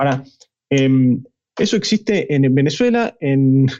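With an Argentine accent, a man speaks in a fairly high pitch, his tone dark and mellow and his intonation lively. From Argentina. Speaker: doctor, sociology PhD student and editor. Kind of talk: interview conversation.

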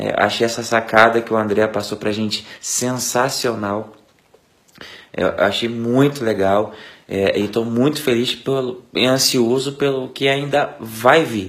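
A man talks at a fairly slow pace and medium pitch, keeping his intonation fairly even. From Brazil, Rio de Janeiro state (Nova Friburgo). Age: 30s. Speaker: bank employee, course participant. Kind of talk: testimony. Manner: halting, many fillers.

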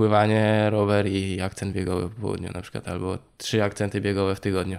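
Over a silent background in a very clean recording, a man with fairly low pitch speaks at a fairly quick pace in a monotone, flat intonation. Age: 20s. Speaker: professional triathlete. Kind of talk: interview.

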